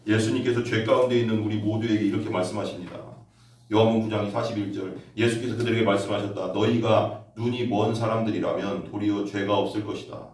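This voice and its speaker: A man pastor preaching a sermon, telling stories and quoting scripture, his voice climbing high when he gets excited. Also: fast talker, very echoey, recorded from a distance. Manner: storytelling, rises sharply in pitch when excited. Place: church sanctuary.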